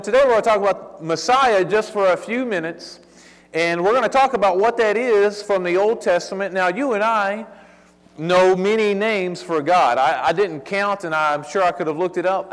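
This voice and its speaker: A man with an East Texas accent giving a casual, folksy sermon-style Bible lesson, talking conversationally and sometimes stumbling over his words. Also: sits high. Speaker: Bible teacher. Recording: long hall reverb.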